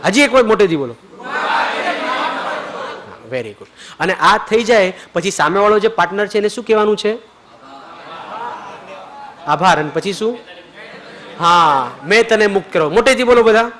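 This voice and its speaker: A man leading a retreat group through a forgiveness ritual, mixing English phrases into his talk, checking again and again that everyone is clear, and going soft and low when he leads prayer. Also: lively intonation, fairly quick, long pauses, a crowd in the background. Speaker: spiritual teacher leading a retreat.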